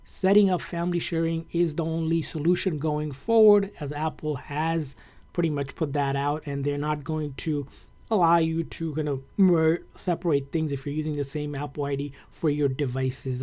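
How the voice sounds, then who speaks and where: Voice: medium pitch, fairly even intonation, moderate pace, dark tone. A tech tutorial host explaining things casually, in a conversational, informal and somewhat repetitive way.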